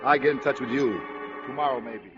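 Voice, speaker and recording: An actor playing a huge, slow-witted ex-convict who speaks in gruff, ungrammatical tough-guy talk. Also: mid-range voice, over loud music, close to an everyday voice. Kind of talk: 1940s radio acting. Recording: dull old radio recording.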